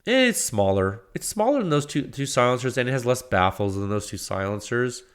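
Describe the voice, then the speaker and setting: A man hosting a technical podcast, congested from a cold, explaining measurements in a halting way with many restarts. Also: mid-range voice, very animated, clear, resonant tone. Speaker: podcast host. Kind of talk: technical talk.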